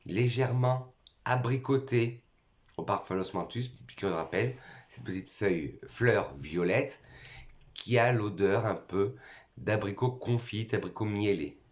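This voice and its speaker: A French man presenting perfume bottles in a casual vlog, a little hoarse from a cold, eagerly listing scent notes one by one. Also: on the low side, a little slow. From France. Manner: enthusiastic, lists notes one by one. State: has a cold, voice cracking. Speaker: perfume YouTuber.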